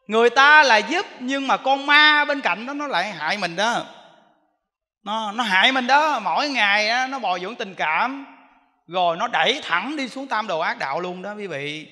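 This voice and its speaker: A man, a Buddhist monk giving an animated sermon, repeating himself and speaking straight to his listeners. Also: very high-pitched. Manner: animated, repetitive, addresses listeners directly. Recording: long reverb of a hall.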